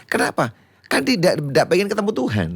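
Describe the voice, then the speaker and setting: Casting: male pastor, quick and animated, dry close sound. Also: a little high, slightly rough, dry recording. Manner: animated, acts out quoted voices, repeats words when excited. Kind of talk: conversational teaching on a church talk show.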